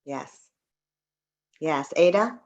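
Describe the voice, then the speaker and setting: A woman's voice: low voice, animated, very slow, dull audio. A woman moderating a student panel, brief and encouraging as she calls on each speaker.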